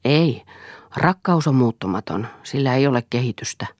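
A steadfast wife standing her ground, read by a woman in an audiobook. She speaks firmly and resolutely in a low, dry, close voice. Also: animated, darkish tone, no room sound. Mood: defiant. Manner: firm, resolute.

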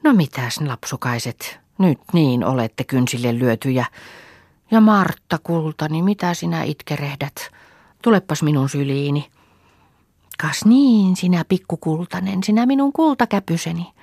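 A woman's voice: low voice, expressive, a little mellow, no room sound, clean studio sound, voice pushed up. A woman voicing a kindly old village woman who coos and coaxes a child with endearments. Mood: doting, coaxing. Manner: cooing, coaxing endearments.

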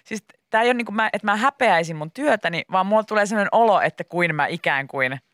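Lively bright-voiced woman radio host. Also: mid-range voice, no echo, studio quality. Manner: chatty, animated, laughs often. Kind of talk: casual studio chat. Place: radio studio.

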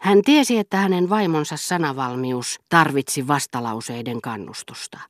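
A woman narrating an audiobook in a measured, even reading. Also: low voice, dry recording, studio quality. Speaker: audiobook reader. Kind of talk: scripted narration.

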